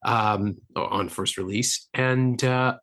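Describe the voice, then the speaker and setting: A man in his fifties hosts a podcast, talking casually about films in a wry, talkative way. His voice is lowish and a bit bright, and he speaks slowly.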